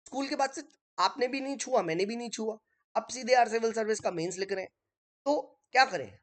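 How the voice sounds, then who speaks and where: A man's voice: extremely high pitch, brisk, a bit bright. A male teacher talks through an online exam-prep lesson in a chatty, conversational way. He explains each point step by step and keeps checking in with his listeners. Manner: explains step by step while writing on screen.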